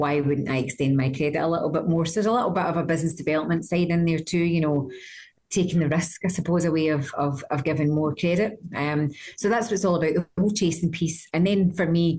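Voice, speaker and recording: Words pour out at a very fast pace in a dark, mellow, somewhat breathy tone with very even loudness and a slight Scottish accent. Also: woman, fairly low pitch for a woman, ordinary pitch variation. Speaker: company founder and CEO. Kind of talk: interview. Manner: animated.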